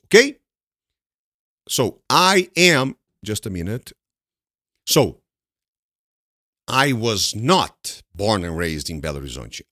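A Brazilian man, a native Portuguese speaker with a Brazilian accent, teaches an English lesson at a very slow pace. His pitch swings widely as he repeats words and asks questions, then answers them himself. The recording is close and dry. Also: dry recording.

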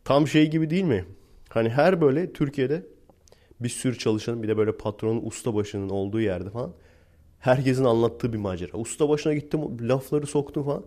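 A man's voice: mid-range voice, a little fast, mellow. A young man from Turkey who works as a teacher, casually telling stories with wry humor and frequent laughs. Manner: chatty, wry, laughs while telling anecdotes. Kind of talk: casual storytelling vlog.

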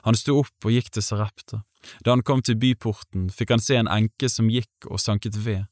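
Measured low-voiced man reading scripture. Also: steady tone, darkish tone, no room sound, clean studio sound. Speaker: Bible reader.

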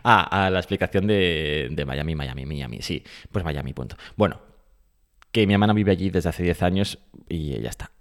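Spanish man from Spain, very low voice, rambling podcast co-host, chatty and casual. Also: normal speed. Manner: chatty, rambling, self-interrupting. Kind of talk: casual chat. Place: small home studio with some echo.

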